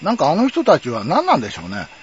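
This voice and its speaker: A man's voice: a little high, fast, lo-fi sound, a little hiss or hum. A middle-aged man telling a personal story in a wry, chatty way. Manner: wry, chatty, lively intonation. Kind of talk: casual storytelling monologue.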